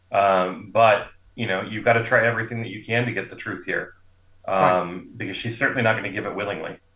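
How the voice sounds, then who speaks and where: Over noticeable background noise, a man talks very fast at a fairly low pitch. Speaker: political commentator. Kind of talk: casual political talk.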